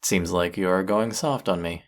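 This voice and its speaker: A man's voice: deep voice, unhurried. A man playing a cocky, bickering chef in an intimate audio roleplay, with a teasing, sardonic and condescending manner. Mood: teasing, irritated. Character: cocky, bickering male chef, grudgingly fond rival. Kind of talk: intimate audio roleplay acting addressed to listener.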